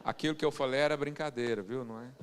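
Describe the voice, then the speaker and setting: A man from Goiânia with a Brazilian Portuguese accent, preaching a sermon as pastor and slowing into loud, emphatic scripture readings. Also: medium pitch, fairly even intonation. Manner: swells loud and slow on scripture quotes. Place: church hall. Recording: long church-hall reverb.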